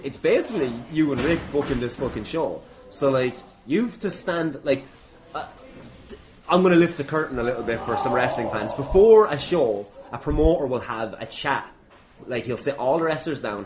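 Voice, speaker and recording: An Irish man hosting a casual podcast chat, swearing freely and teasing in his banter. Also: medium pitch. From Ireland. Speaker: podcast host and wrestler. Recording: clearly noisy background with clicks.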